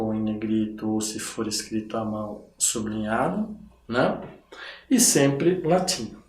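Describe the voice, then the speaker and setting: A man from Brazil, teaching a recorded online biology lesson, explaining slowly and ending phrases with checking tags. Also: on the high side, reverberant. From southern Brazil.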